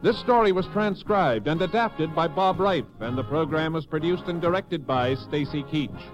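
A man reading scripted credits as a formal, measured 1950s radio announcer. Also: fairly high pitch, muffled recording, over music.

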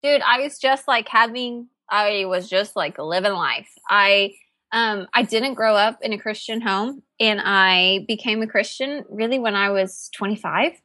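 A woman in her thirties from Oklahoma talks as an interview guest in a bright, lively voice. She laughs often and keeps her speech casual and slangy. The recording is close and dry. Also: mid-range voice, unhurried, dry recording. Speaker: guest, nonprofit founder.

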